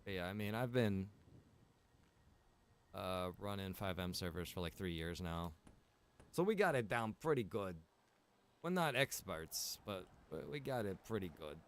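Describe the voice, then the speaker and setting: A man's voice: low voice, lively intonation, a little slow, pauses often, clear, resonant tone. A man streaming a game, chatting casually with viewers and thinking aloud in a rambling way. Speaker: game streamer and server operator. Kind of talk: casual livestream chat while gaming.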